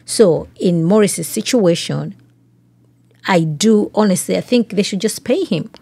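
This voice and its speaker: A woman's voice: mid-range voice, expressive, a little slow, gravelly, warm tone, slightly rough, no room sound. A woman hosting a podcast, reading news aloud and commenting on it, putting questions straight to the listener. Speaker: podcast host.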